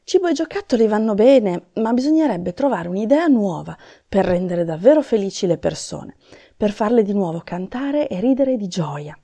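A woman voicing a tired old Santa Claus in a storybook reading, gloomy, gentle and weary. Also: medium pitch, big pitch swings, moderate pace.

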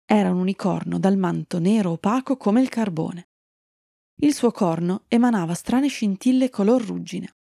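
A woman storyteller gently reading a fairy tale to children and chatting kindly with her young listeners. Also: medium pitch, gravelly, dry recording, studio quality.

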